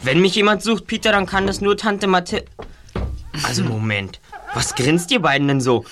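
A man's voice: sits high, normal speed, background noise, lightly acted. A young man playing a precocious, skeptical teenage detective leader, precise and slightly pompous, in a 1980s audio drama. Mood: skeptical, wry.

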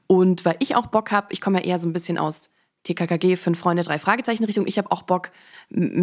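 A woman hosting a podcast in casual, colloquial and upbeat chat. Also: on the low side. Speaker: podcast host.

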